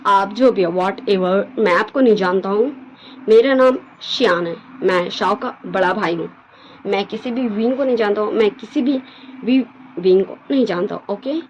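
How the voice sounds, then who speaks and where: A woman's voice: medium pitch, normal speed, slight background noise, natural voice, poor audio. A woman voicing a young man who stammers when shaken and turns curt and firm when brushing someone off. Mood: cold. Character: young man, rattled then coldly dismissive.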